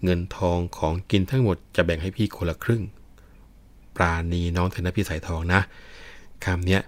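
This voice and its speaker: A man's voice: low voice, normal speed, natural voice. A man voicing a young male novice monk who earnestly begs for help in love. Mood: pleading. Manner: earnest, imploring.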